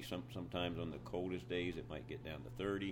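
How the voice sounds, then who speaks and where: With an American accent, a man with vocal fry speaks in a very deep, low pitch and lively intonation. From US Northeast (Pennsylvania). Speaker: homesteader and Marine Corps veteran. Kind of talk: casual interview.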